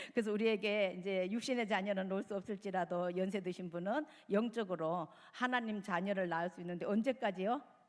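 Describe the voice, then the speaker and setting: Speaking at a fairly quick pace, a woman has a normal speaking voice, medium pitch and ordinary pitch variation. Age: 60s. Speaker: guest preacher. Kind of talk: sermon. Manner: call-and-response questions.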